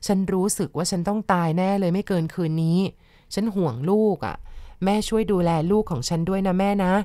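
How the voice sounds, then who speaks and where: A woman's voice: fairly low pitch, a little fast, dark tone, no echo, clean studio sound, close to an everyday voice. A woman narrator voicing a dying bedridden mother who pleads with her family in a trembling, tearful voice. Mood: sobbing, pleading.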